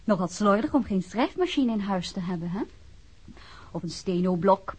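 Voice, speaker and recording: Tough vice cop, husky female voice, lively high pitch, sardonic, unyielding, radio crime drama. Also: normal speed, rough recording. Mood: mocking, assured. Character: tough, mocking policewoman of the vice squad.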